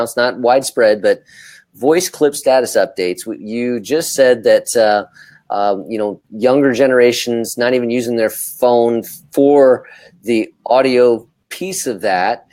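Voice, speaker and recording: A man with a mid-pitched voice and a close, dry sound moderates a casual panel as co-host. He speaks haltingly, often circling back to rephrase what he is saying. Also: darkish tone, dry recording. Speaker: talk show co-host.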